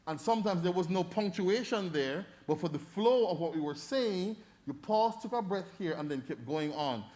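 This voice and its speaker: A middle-aged Jamaican man giving feedback as a debate judge, animated and fond of demonstrating voices as he coaches. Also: high voice, moderate pace. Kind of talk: feedback speech to an audience.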